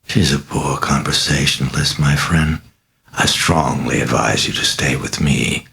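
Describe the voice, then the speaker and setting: A sinister demon speaking through a possessed girl, as a man reading aloud puts it on, drawling each word slowly and with open mockery. Under the taunts the voice stays gravelly and creaking, rising in sudden wheedling swoops above a deep base. It coaxes and sneers in the same breath. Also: steady tone, sharp tone, heavily acted. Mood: taunting. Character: sly mocking demon possessing a young girl. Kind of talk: audiobook character voice.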